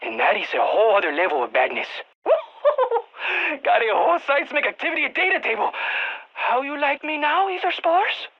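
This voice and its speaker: An actor playing an excitable, nerdy male scientist with a Latino Spanish accent, wordy and theatrical, in video game radio lines. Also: extremely high pitch, normal speed, muffled recording, exaggerated voice. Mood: gleeful. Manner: theatrical, wordy, swinging between glee and exasperation. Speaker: mission scientist giving radio briefings.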